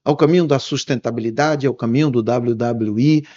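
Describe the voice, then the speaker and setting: A man's voice: medium pitch, normal speed, dark tone, lo-fi sound. A man hosting an interview, asking long, winding, appreciative questions with frequent fillers. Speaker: interview host.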